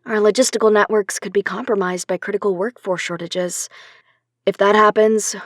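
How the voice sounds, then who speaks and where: A woman's voice: mid-range voice, dry recording, studio quality, lightly acted. A woman playing a composed professor interviewed on radio news in a sci-fi audio drama, explaining things patiently and articulately. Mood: grave, matter-of-fact. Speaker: academic expert being interviewed.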